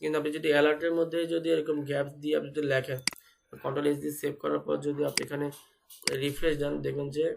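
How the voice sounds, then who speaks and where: A man's voice: on the high side, completely flat delivery, racing, creaky, a little mellow. A young man with a fever teaching a web development class, explaining step by step and spelling terms out. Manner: explains step by step, repeats words and spells them out. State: speaking slowly because of fever. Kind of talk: live online coding class.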